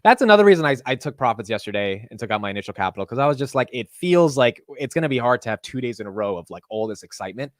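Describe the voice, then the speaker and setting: A young man with a deep voice hosting a live market stream in casual, animated chat. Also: rapid-fire, few pauses, dry recording, studio quality. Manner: animated, says "dude" and "like" a lot.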